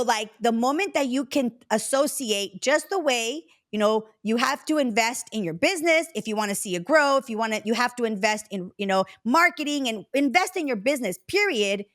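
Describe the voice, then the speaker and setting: A woman in her forties from Mexico, hosting a casual interview chat and telling stories in a reflective, drawn-out way. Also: a little high, lively intonation, fairly bright tone. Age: 40s. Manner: reflective, storytelling, drawn-out phrasing with fillers. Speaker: podcast host.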